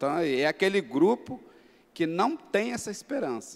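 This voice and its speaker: Talking at a fairly slow pace, a man with a high pitch makes very wide pitch swings. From rural Brazil. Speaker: church elder. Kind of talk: class discussion comment; audience comment in Bible class discussion. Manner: halting. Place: church. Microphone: handheld.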